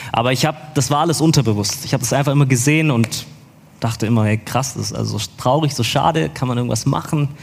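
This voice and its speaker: A man talks in an animated tone at a fairly quick pace with ordinary pitch variation. Noticeable background noise runs behind him. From Stuttgart, Germany, Ethiopian parents. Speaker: church member sharing life story. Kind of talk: testimony.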